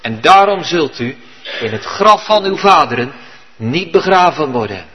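A man's voice: fairly high pitch, very animated, a little slow. A man voicing a stern old male prophet who pronounces judgment in a raised, declaiming voice. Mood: stern, accusing. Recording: dull recording with long hall reverb.

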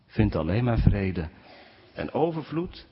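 A man preaching a sermon to his congregation, speaking with animated swings in pitch. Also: takes it slowly. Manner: animated preaching, rising pitch when quoting complaints. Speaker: pastor. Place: church. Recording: dull sound with long church reverb.

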